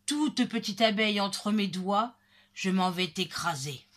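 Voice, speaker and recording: A woman's voice: medium pitch, a little slow, fairly bright tone, slight background noise, lightly acted. A woman voicing a big, blustering, angry woodcutter in a storybook, bellowing threats and exclamations. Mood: vengeful threatening.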